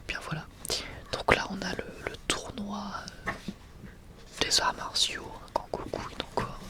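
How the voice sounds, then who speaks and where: A whispered ASMR voice, presenting casually and without a script. The delivery is soft and almost entirely breath, with hesitant pauses and a widely varying contour. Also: mid-range voice. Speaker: ASMR video creator presenting a manga collection.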